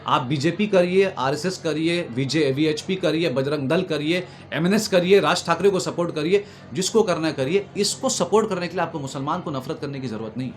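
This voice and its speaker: A man's voice: fairly high pitch, normal speed, hardly any pauses. A man making an impassioned political argument, emphatic and repetitive, building his points in oratorical lists. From Bengal, India. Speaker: political commentator being interviewed. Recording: noticeable background noise.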